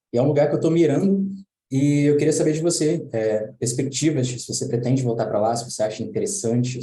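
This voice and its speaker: Dark-toned man asking on a video call. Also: medium pitch, echoey room, low-quality recording. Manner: informal, friendly, slangy. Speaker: audience member asking a question. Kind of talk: casual online Q&A.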